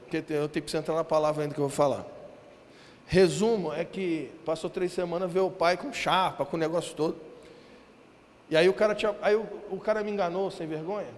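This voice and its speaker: A man from Brazil preaching a sermon, telling a story in a lively, slangy way and acting out what people said. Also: fairly high pitch, brisk. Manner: animated, slangy storytelling with acted-out quotes. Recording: reverberant hall with faint ambience.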